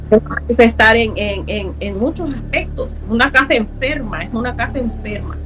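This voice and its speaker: Middle-aged woman, emphatic storyteller, a touch high, faint music underneath. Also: moderate pace, a bit bright, poor audio. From Honduras. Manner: earnest and emphatic, repeats words for stress. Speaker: guest telling a true haunting story. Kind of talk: personal storytelling in a conversation.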